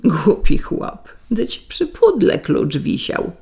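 A woman's voice: medium pitch, wildly swooping pitch, slow pace, gravelly, dark tone, full character voice. A woman voicing a nosy, quarrelsome old village wife who shrieks for help in a folk tale. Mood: prying.

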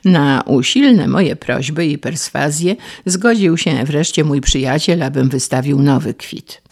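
A man narrating a humorous story in an audiobook, measured and wry. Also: on the high side, creaky, darkish tone.

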